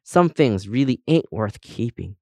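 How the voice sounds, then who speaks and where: A man's voice: mid-range voice, lively intonation, a little slow, a little mellow, no room sound. A man voicing a chatty, cheerful female compass in a children's audiobook, with breezy, boastful colloquial talk. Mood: brisk, warning.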